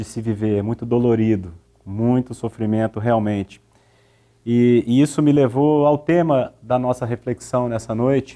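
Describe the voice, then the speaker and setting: A man at medium pitch with a dark, mellow tone, fairly even intonation and a fairly slow pace, over a quiet background. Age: 30s. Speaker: lay preacher. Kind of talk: sermon. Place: studio. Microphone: lapel.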